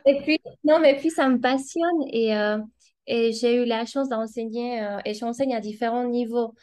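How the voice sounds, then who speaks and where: A woman's voice: fairly high pitch, normal speed, darkish tone. A woman whose first language is Spanish, a language teacher talking as a guest in a casual discussion, thoughtful and hesitant, searching for words. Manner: hesitant, many fillers and restarts, thoughtful.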